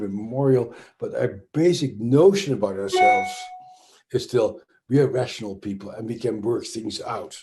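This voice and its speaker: Speaking at a moderate pace with a Dutch accent, a man's dark, mellow, somewhat breathy voice moves through very wide pitch swings. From Netherlands. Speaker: psychiatrist, trauma researcher. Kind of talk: interview.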